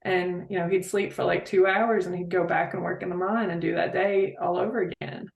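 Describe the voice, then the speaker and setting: A woman's voice: fairly low pitch, steady tone, a little fast, creaky, reverberant, dull audio. A woman from West Virginia, talking as a guest in a casual interview, heartfelt and rambling, with many fillers. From Appalachia, West Virginia.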